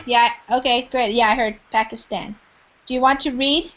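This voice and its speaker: A woman running a relaxed online English lesson, her voice sitting a little higher than most. She keeps drawing students out with question after question and warm encouragement. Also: moderate pace. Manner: encouraging, asks many questions. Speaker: English teacher. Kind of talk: online group class.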